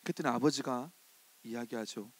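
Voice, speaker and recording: A male pastor delivering a sermon in an animated way, acting out the indignant voices of the people in the story. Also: mid-range voice, moderate pace.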